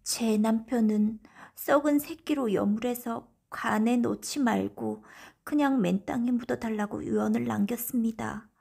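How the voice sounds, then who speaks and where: Woman acting out a soft, husky young widow, plaintive. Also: a little high, unhurried, few pauses, voice pushed up, exaggerated voice. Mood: sorrowful. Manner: formal, deferential, plaintive. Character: grieving young widow around thirty, soft-spoken and polite. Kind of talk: folktale storybook acting.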